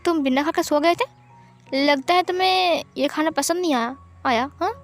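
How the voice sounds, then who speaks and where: A woman voicing a stern, irritable aunt who scolds and nags with sharp questions, in a storybook reading. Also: sits high, moderate pace, soft background music, pitched above the performer's own voice, natural voice. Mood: scolding.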